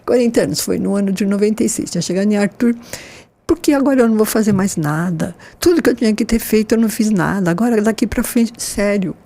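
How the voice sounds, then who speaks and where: A woman's voice: medium pitch, fast. Enthusiastic woman in her sixties. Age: 60s. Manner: enthusiastic, expressive, with frequent "né?" tags. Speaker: nurse and guest. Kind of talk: casual panel conversation.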